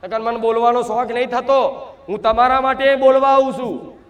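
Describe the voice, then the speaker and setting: Very high-pitched man shouting a trance sermon. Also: fairly even intonation, moderate pace. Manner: loud, shouting, declamatory; repetitive, rhetorical questions. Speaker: spirit medium speaking as a goddess.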